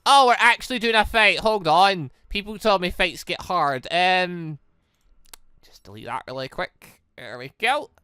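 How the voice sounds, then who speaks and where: Guy doing a lets play, highish voice goes all over the place, rambly and animated, dry sound. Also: measured pace, smooth, no room sound. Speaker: gaming YouTuber, let's player. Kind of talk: let's play commentary with dramatic read-aloud.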